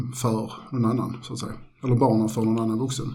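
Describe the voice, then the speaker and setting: A man speaks in a dark, mellow tone with vocal fry and flat, monotone intonation. There is audible echo from the room. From southern Sweden (Ystad, Skåne). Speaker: TV reality participant and business coach. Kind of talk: interview.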